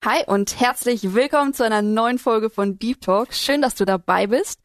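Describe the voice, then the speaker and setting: A woman's voice: a little high, moderate pace, faint music behind. A woman hosting a casual podcast interview, welcoming listeners and chatting with her guests. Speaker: podcast host.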